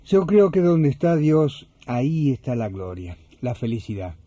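A man acting an earnest, devout parish volunteer in a radio drama, speaking measured Rioplatense Spanish. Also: medium pitch, very animated, mellow, no echo, lo-fi sound. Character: kind, faith-filled young parish volunteer helping pilgrims. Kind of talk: radio drama with scripture narration.

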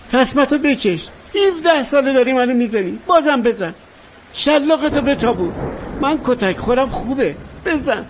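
A man's voice: sits high, slight background noise. An actor playing a vain, half-mad former star who talks grandly and bitterly about his fame. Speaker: actor in a stage or film drama. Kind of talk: dramatic monologue acting.

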